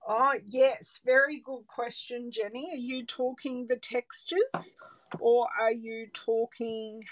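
A woman's voice: a little high, noisy background. An Australian woman demonstrating card making, chatting casually and thinking aloud as she works, sometimes dropping to a murmur. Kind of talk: casual crafting livestream chat. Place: craft table indoors, overhead camera on hands.

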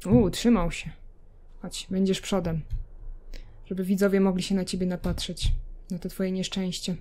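A woman's voice: fairly low pitch, little pitch movement, normal speed, warm tone. A young woman giving casual gameplay commentary, chatting to her game characters with self-mocking asides. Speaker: gameplay video creator.

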